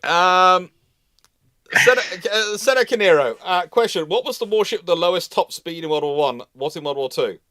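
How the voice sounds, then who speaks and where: Higher-voiced man, stop-start talker. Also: lively intonation, normal speed, pushed and bright, dry recording. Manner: repeats and restarts phrases often. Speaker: host of a naval history live Q&A. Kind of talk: casual panel discussion, answering viewer questions.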